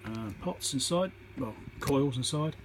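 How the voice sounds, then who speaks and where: An electronics repairer gives a relaxed, matter-of-fact hands-on tutorial, voicing his thoughts as he works, recorded on a phone set on a tripod. His medium-pitched voice has lively intonation and a slightly slow pace, with slight background noise.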